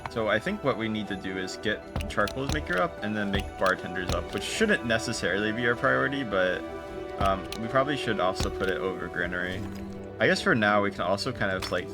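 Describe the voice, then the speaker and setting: A man with a low voice talks casually through the game he is playing, over clearly audible music. He fumbles for words, breaking off and restarting as he thinks out loud. It sounds like an easygoing streamer's running commentary. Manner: fumbling for words, trailing off and restarting mid-sentence.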